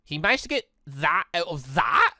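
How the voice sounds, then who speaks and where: An excitable game streamer reading a visual novel aloud and breaking off into rambling commentary. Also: medium pitch, moderate pace, no room sound, clean studio sound. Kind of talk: let's-play commentary and read-aloud.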